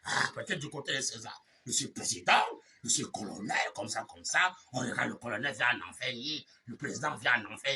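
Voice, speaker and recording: A man delivers a fiery sermon from some distance from the mic, chanting and repeating phrases. He shouts refrains and swings between loud cries and low mutters.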